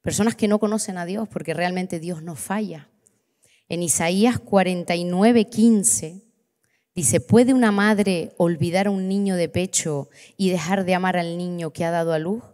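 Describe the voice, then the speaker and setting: A woman, preaching and giving her testimony, impassioned, slowing down on key words for emphasis. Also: on the low side, a little mellow. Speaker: preacher leading a church workshop. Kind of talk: sermon with personal testimony. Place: church hall. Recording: long reverberant church hall.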